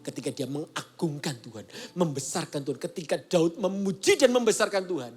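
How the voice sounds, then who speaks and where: A man's voice: on the high side, lively intonation, fairly quick, slightly rough, soft background music. A male pastor giving a casual, conversational sermon and acting out the voices he quotes. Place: church service broadcast.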